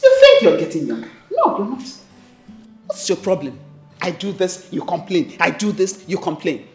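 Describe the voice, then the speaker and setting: A woman's voice: lowish voice, wildly swooping pitch, normal speed, a little mellow, reverberant, faint music behind. An actress playing a domineering middle-aged mother who scolds her son for not giving her grandchildren. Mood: scolding. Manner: scolding, bossy. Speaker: actor. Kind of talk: melodrama acting.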